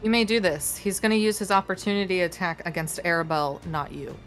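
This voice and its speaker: A woman with a lowish voice runs a tabletop game as dungeon master. She narrates and gives rulings in a calm, matter-of-fact way, with faint music playing behind her. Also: fast talker.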